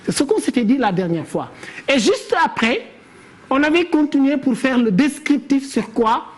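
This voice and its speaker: In a high, sing-song voice at normal speed, a teacher takes her class through a lesson on poetry. She explains each step in turn and quizzes her pupils, naming each one she calls on.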